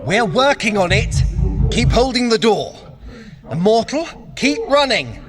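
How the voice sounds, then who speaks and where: A man's voice: very high voice, sing-song, unhurried, music in the background, heavily acted. An actor playing a vain, scheming male trickster god in audio drama, condescending, theatrical and sardonic. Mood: urgent, exasperated. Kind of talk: dramatic audio fiction acting.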